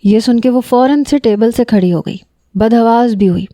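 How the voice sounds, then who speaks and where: A woman narrating a romance story in a steady, even way, with a fairly high but mellow, warm voice. The sound is close and dry, with no echo around it. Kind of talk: scripted first-person romance narration.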